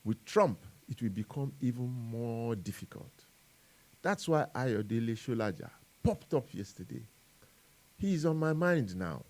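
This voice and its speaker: A man's voice: mid-range voice, sing-song, measured pace, darkish tone. Nigerian man reading a radio editorial, emphatically. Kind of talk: scripted editorial narration.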